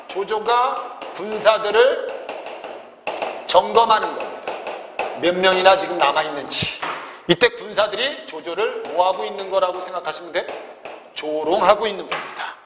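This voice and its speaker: A man's voice: high-pitched, a bit bright, in a large hall, slight background noise. A man teaching Korean literature in an exam-prep lecture, acting out character lines and often asking the students whether they follow. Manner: acts out character lines in a mocking voice, asks checking questions.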